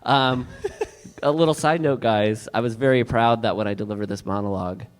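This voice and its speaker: A man with a middle-pitched voice reads out stage directions like a narrator. He also chats casually and comically as the writer of the piece. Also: steady tone, a little fast. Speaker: writer of the monologue, actor.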